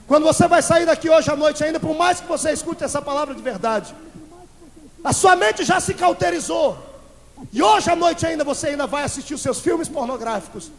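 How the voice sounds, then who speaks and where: A Brazilian man preaching a fiery Pentecostal sermon as pastor, shouting at the congregation and then dropping to low, intense tones. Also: brisk. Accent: Brazilian Portuguese. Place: large church. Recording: long hall echo, old VHS tape.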